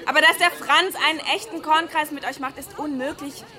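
An actress playing a young woman who leads an eco summer camp, brisk and bossy, in a naturalistic radio crime drama. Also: high voice, sharp tone. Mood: brisk, exasperated. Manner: firm calls to herd kids, hesitant when put on the spot. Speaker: camp leader. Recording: roomy sound, music and group chatter behind.

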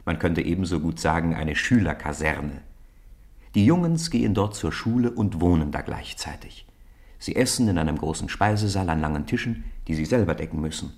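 A man narrating a German children's radio play as an expressive, deliberate storyteller. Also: deep voice.

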